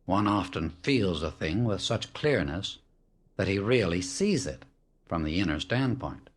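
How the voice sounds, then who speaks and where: A man reading a spiritual audiobook as scripted narration, in a solemn, measured, declarative way. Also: low voice, expressive.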